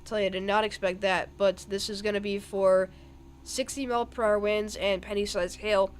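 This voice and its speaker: A man's voice: high-pitched, level tone, normal speed, slight background noise. Rambling young man narrating radar live. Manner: rambling, thinking aloud over radar. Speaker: weather streamer. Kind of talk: live-stream weather commentary.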